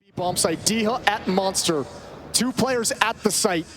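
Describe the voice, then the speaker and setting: A man's voice: sits high, measured pace, fairly bright tone, a little hiss or hum. A man giving tactical commentary as an esports co-caster and analyst.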